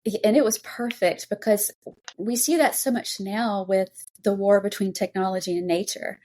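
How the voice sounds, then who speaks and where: A woman's voice: mid-range voice, fairly even intonation, normal speed, darkish tone. A woman hosting a podcast interview, talking casually and effusively. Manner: effusive, gushing. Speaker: podcast host and anthology editor.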